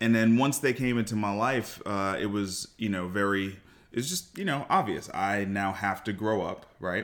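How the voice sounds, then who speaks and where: A man with an American accent has an ordinary speaking voice. His pitch sits fairly low with ordinary variation, at a moderate pace. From Brooklyn, New York. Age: 40s. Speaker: father and executive mentor. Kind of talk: casual interview.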